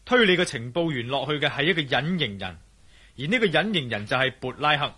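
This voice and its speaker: An actor playing a calm, self-assured adventurer in a radio drama, speaking firm in a matter-of-fact way. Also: male voice, mid-range voice, brisk, husky, full character voice. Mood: steady. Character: bold adventurer man, calm and sure of himself.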